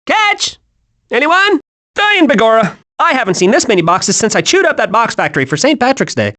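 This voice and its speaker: A man voicing a childlike, gleeful, hyperactive squirrel in an animated video game, excitable and naively cheerful. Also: very high-pitched, normal speed, exaggerated voice.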